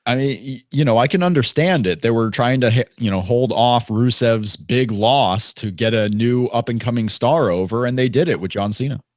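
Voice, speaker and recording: Male co-host from Indiana, mid pitch, dry close sound, rambling casual talk. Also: normal speed, hardly any pauses, no room sound. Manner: rambling, many fillers and restarts. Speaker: podcast co-host. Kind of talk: casual wrestling chat.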